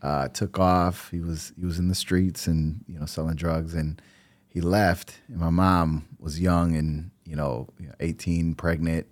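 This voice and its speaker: Very deep-voiced man telling stories. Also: a little slow, no echo. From born in Costa Rica, raised in Milwaukee. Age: young adult. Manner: relaxed, rambling storytelling with many fillers. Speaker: financial advisor, guest. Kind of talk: casual interview conversation. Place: high-rise office.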